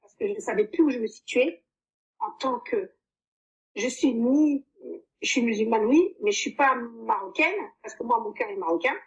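Earnest woman in her fifties, fairly high voice. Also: lively intonation, normal speed, highs cut off. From Portugal. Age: 50s. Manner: earnest, heartfelt, with frequent hesitations. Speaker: coaching client giving a testimonial. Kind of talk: emotional personal testimony.

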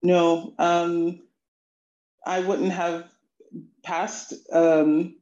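An earnest, reflective adult student describes her language lessons at a middle pitch. The sound is roomy and echoey, and a little dull. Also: little pitch movement, drawn-out words, darkish tone. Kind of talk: interview. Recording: echoey, muffled lo-fi audio.

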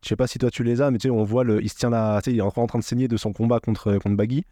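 A man's voice: medium pitch, steady tone, racing, warm tone, no room sound, clean studio sound. A man co-hosting a casual podcast, rambling with many restarts as he explains manga details. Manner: rambling, with frequent restarts and filler. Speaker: podcast co-host. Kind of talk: casual chat about a manga.

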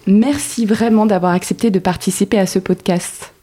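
A woman hosting a podcast, reading her introduction in a calm, measured way and then interviewing her guest. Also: medium pitch, slightly rough. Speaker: podcast host. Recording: faint music behind.

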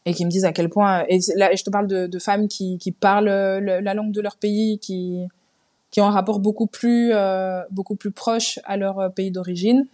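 A young woman, a guest on a relaxed podcast. She speaks thoughtfully at a middling pitch. She often stops to search for the right word. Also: moderate pace. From Belgium. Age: young adult. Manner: reflective, searching for words. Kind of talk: casual podcast conversation.

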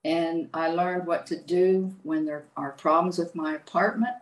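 A woman's voice: lowish voice, steady tone, measured pace, reverberant, rough recording. An older woman from Virginia with an American accent, a native English speaker answering interview questions carefully. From United States, Virginia. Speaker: guest.

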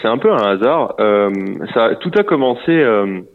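A man's voice: medium pitch, very animated, normal speed. A man in his thirties from Normandy, a winery manager speaking over the phone and hesitating with many fillers and restarts. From Normandy, France. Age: 30s. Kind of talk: phone interview. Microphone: telephone. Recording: muffled phone line.

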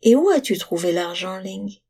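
A woman voicing a patient, wise mother who speaks calmly and firmly to her son, in a storybook reading. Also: mid-range voice, moderate pace, slightly rough. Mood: gently firm. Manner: calm, gently firm.

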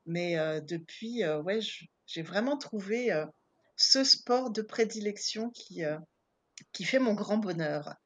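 A woman's voice: medium pitch, expressive, takes it slowly, a bit bright. A woman in her fifties from Paris, chatting casually as an interview guest, with many hesitant fillers. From Paris, France. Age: 50s.

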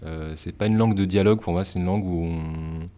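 Very deep-voiced man, measured and deliberate. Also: steady tone, dark tone. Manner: measured, deliberate, many pauses. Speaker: interviewee. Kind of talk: reflective explanation.

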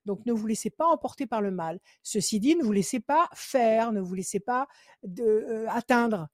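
Woman psychic on a call-in show, repeats her advice, mid pitch, dry close mic. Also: expressive, moderate pace, a little mellow, dry recording. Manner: insistent, repetitive advice, counts cards under her breath. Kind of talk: phone consultation with card reading.

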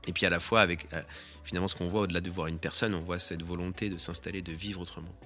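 A man, a photographer, giving a reflective and halting spoken account of one of his photographs, restarting his sentences often. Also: deep voice, level tone, bright, forceful tone, soft background music. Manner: halting, with many restarts and pauses.

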